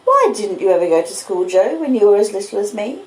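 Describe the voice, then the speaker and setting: A woman's voice: mid-range voice, very animated, a little fast, a little mellow, echoey room, pitched above the performer's own voice, natural voice. A woman voicing a small, polite young boy who asks questions with curiosity and mild condescension. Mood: curious.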